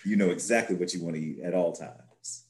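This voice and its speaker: A man's voice: low voice, fairly even intonation, a little fast. Playful man with a roomy echo. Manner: playful, teasing. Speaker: podcast co-host. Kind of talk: casual chat. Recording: roomy echoey sound.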